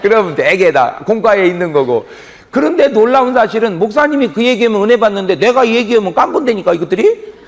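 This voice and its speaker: A man preaching a sermon as pastor, telling stories with loud emphasis and quiet asides and asking the congregation questions. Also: high voice, fast talker, big-room sound. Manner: lively storytelling, swings between loud emphasis and quiet asides.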